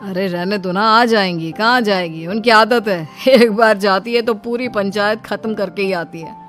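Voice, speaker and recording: A woman's voice: medium pitch, moderate pace, fairly bright tone, soft background music, lightly acted. A woman voicing a casual, dismissive young husband and son in a cartoon story.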